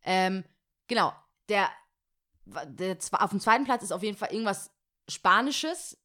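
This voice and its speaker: A woman's voice: medium pitch, moderate pace, bright, forceful tone. A woman co-hosting a podcast in casual, slangy chat full of fillers. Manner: chatty, slangy, many fillers. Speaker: podcast co-host.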